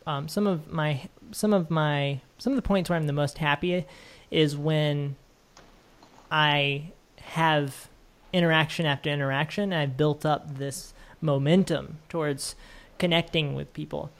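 A man's voice: fairly high pitch, fairly even intonation, a little slow. A man hosting a casual conversation, talking in a thoughtful, reflective way with frequent restarts. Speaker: podcast host.

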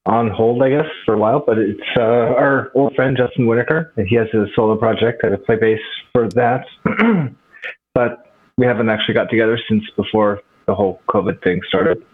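A man's voice: on the low side, normal speed. A man and band guitarist giving hesitant, modest answers with many fillers. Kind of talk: casual interview chat. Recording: tinny phone-like line.

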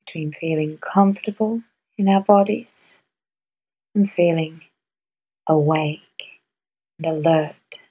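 A woman guiding a meditation in a soft, measured way, with long pauses between phrases. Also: lowish voice, creaky, slightly rough, low-quality recording. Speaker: meditation guide. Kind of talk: guided meditation.

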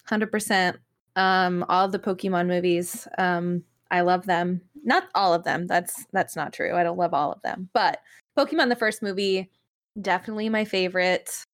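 A woman's voice: lowish voice, steady tone, moderate pace. A woman on a podcast panel chatting casually and gushingly, often correcting herself as she goes. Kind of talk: casual chat.

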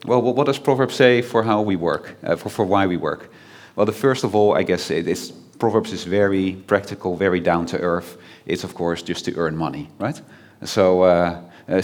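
A man from the Netherlands with a Dutch accent, giving a chatty, informal sermon as a guest preacher, full of fillers and restarts. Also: low-pitched.

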